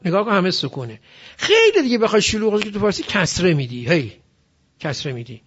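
A man's voice: on the high side, creaky, muffled recording. A man teaching a class, explaining grammar and drilling examples aloud. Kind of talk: classroom lecture.

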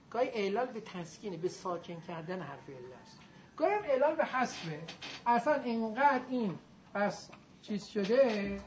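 A woman teacher giving a grammar lecture to a class, lively and drilling her students in call-and-response. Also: medium pitch. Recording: muffled recording with faint noise.

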